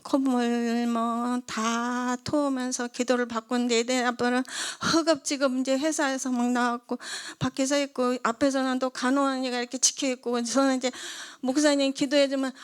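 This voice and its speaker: A woman's voice: high-pitched, flat delivery, normal speed, few pauses, smooth. A middle-aged woman giving an emotional healing testimony at church, re-enacting conversations in a tumbling rush.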